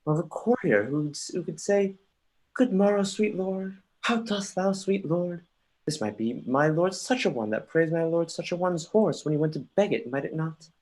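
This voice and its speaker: A woman's voice: lowish voice, expressive, moderate pace, a little mellow. A brooding young prince, acted by a woman in a Shakespeare play reading. The delivery is musing and sardonic, witty, and built on rhetorical questions.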